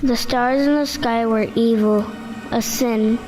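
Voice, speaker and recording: An eerie woman intones dark visions in a surreal audio drama. Her pitch is fairly high and very level, her pacing slow and incantatory. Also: fairly even intonation, rough recording.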